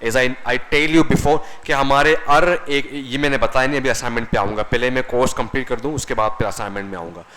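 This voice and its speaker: A man's voice: mid-range voice, fairly even intonation, a little fast, hardly any pauses, a bit bright, rough recording. A man teaching a classroom lecture as a computer course instructor, conversational, often asking the class questions and answering them himself.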